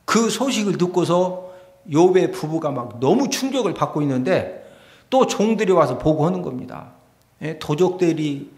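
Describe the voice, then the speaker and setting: A male pastor giving a lively sermon in a church, often prodding his congregation for a response. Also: a little high, gravelly. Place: church sanctuary. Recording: echoey church hall.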